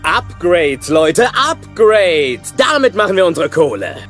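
Ruthless steel robot ceo, smug n scornful, voice swoops around, faint music under it. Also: male voice, high-pitched, very animated, takes it slowly, fairly bright tone, exaggerated voice. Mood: smug, hyped. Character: arrogant, ruthless steel robot company boss, male. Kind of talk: children's audio play dialogue.

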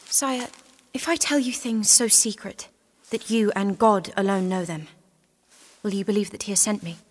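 An actress playing an earnest, bold and devout young peasant maiden in an audio drama. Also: female voice, medium pitch, moderate pace, lightly acted. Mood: solemn, assured.

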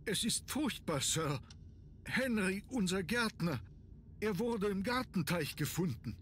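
An actor playing an anxious, deferential manor butler in a video game, formal and agitated. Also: male voice, high-pitched, lively intonation, unhurried, a bit bright, a little hiss or hum. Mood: agitated, distressed. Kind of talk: German video game voice acting.

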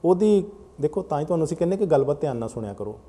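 A man's voice: a little high, sing-song, very fast, dark tone. A man hosting a televised call-in talk show, patiently explaining at length to callers. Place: TV studio.

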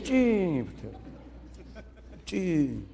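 A male pastor giving a humorous revival sermon in a large church hall, animated and chuckling through his lines. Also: a little high, extremely slow, vocal fry.

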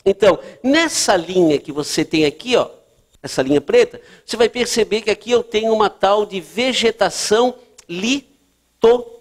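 Guy teaching geography at a board, higher voice, keeps asking "right?". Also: moderate pace. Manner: explanatory, checks in with "certo?" and "né?". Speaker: prep-course geography teacher. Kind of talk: lecture at a board.

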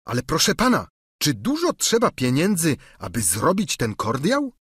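A man's voice: fairly high pitch, huge pitch swings, moderate pace, breathy edge, no room sound, clean studio sound, voice pushed up, heavily acted. A man reading an audiobook, voicing an eager, plain-spoken peasant squire with a pleading manner.

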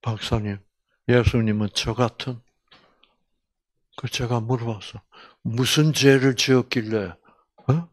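A man, a doctor, giving a faith-based health lecture: he tells a story with sudden loud jumps, quizzes the audience with constant questions, and drops to a whisper to act out quoted lines. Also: medium pitch, fairly even intonation, slow pace, pauses often. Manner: acts out quoted speech and drops to whispers for effect.

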